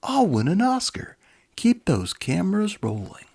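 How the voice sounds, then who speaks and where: A man voicing a gleeful, ambitious movie director in a children's storybook, exclaiming excitedly. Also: high-pitched, unhurried, creaky, husky, voice pushed up, exaggerated voice.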